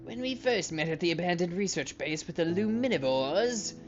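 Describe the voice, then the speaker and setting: A man's voice: sits high, lively intonation, normal speed, voice pushed up. A man putting on a teasing young heroine. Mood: curious. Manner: teasing, theatrical, swooping. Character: playful young heroine turned mock witch. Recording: muffled, game music behind.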